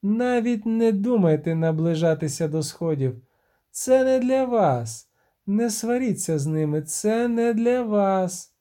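Brief: shrill moody siren woman from a storybook, read by a man, high and lilting. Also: animated, mellow. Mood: shrill alarm. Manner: shrill trilling, drawn-out scolding. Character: female sea siren, shrill, mocking and moody.

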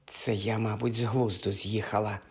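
A man's voice: medium pitch, lively intonation, measured pace, natural voice. A man reading an audiobook, voicing a stern young woman who questions pointedly and insistently. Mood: scornful. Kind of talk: audiobook character voice.

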